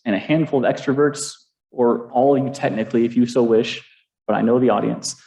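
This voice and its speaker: A man's voice: mid-range voice, warm tone. Playful preacher man in echoey church. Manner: playful, interactive, self-deprecating humor with the congregation. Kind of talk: sermon. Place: church sanctuary.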